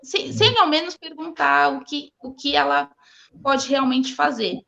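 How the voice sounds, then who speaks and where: A woman with a Brazilian accent speaking as an interview guest, conversational and halting, often stumbling over her words. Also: sits high, creaky, pushed and bright. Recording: dull, lo-fi online audio.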